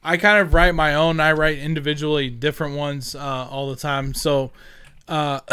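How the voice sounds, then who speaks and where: A man with a fairly high, very clean and smooth voice talks through an on-screen tutorial. He is informal and rambling, thinking aloud as he works, like a gaming creator showing how things are done. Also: unhurried, fairly bright tone. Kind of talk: casual screen-recorded tutorial narration. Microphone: headset.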